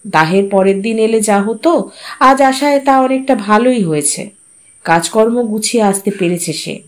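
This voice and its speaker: A woman host narrating a short story aloud in a calm, even way. Her voice sits slightly high. She reads with steady, unhurried storytelling.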